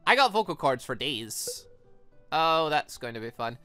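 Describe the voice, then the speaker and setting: Chatty man with a lively, bright voice. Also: on the high side, measured pace, clean tone, dry recording, faint music behind. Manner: rambling, chatty, reads game text aloud. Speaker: let's-play host. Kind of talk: casual gameplay commentary.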